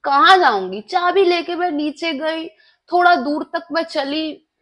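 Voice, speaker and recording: Young woman vlogger, high voice, heated storytime delivery, mixes in English and swearing. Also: measured pace, fairly bright tone. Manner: emotional, code-switching into English, swears. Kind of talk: storytime vlog.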